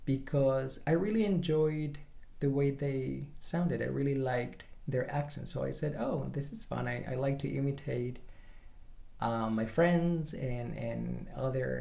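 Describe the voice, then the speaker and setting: A young man from Chile with a Chilean Spanish accent, a pronunciation coach telling his own story in a relaxed way, with small restarts. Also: mid-range voice, vocal fry. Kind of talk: casual personal story to camera.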